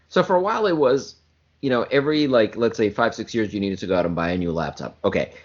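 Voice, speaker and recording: A man's voice: fairly low pitch, expressive, fairly quick, dull audio. A man co-hosting a podcast, joking about himself and rambling through a casual rant. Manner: joking, rambling, self-mocking. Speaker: podcast co-host. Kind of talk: casual banter.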